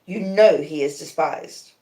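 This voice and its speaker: A woman voicing an earnest, wretched young gentleman who pleads emphatically in a story reading. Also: deep voice, unhurried, echoey room. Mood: earnest, pleading.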